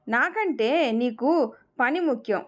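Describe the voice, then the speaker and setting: A woman voicing a playful, affectionate young husband in a read-aloud family story, teasing in a light, high voice. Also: animated, measured pace, a bit bright.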